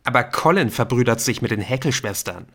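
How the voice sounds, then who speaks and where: A man voicing a confident, sharp-tongued teenage boy in an audiobook reading. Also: mid-range voice, expressive, brisk. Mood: wry. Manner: wry, challenging.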